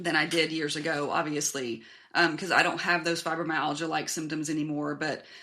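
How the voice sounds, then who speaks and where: Her tone is bright and sharp. The woman keeps a fairly quick pace. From Tennessee. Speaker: wellness coach and occupational therapist. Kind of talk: podcast interview.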